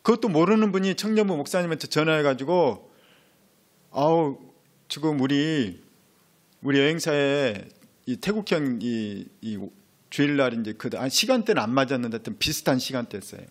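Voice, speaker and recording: A male pastor preaching a sermon, animated, acting out prayers in quoted voices. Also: fairly high pitch, moderate pace.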